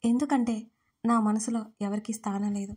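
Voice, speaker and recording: A woman voicing an angry, grieving young man in an audio story, harsh and shouting. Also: fairly high pitch, steady tone, normal speed, slightly rough.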